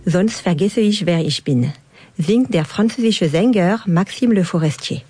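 Low-voiced woman reading radio script. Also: animated, unhurried, darkish tone, husky, no echo, faint music behind. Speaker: radio host. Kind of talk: scripted community radio narration.

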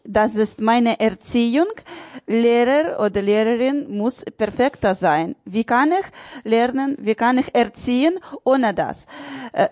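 A woman who is a trained teacher, speaking hesitantly on a panel with many pauses and simple learner German. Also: a little high, darkish tone, no echo, clean studio sound. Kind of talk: panel discussion.

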